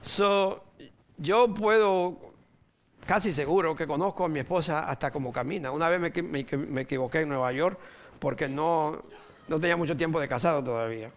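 A playful Dominican preacher in his sixties gives a relaxed sermon built on personal stories, laughing often and dropping in English words, all in a Dominican Spanish accent. His voice is a little high.

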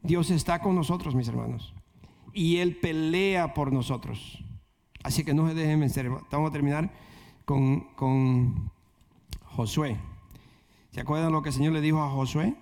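A man preaching a sermon and then leading a prayer. His voice sits a bit high and he repeats phrases with earnest emphasis. The sound carries a long reverb like a large church hall. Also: unhurried, pauses often, a little mellow. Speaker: pastor.

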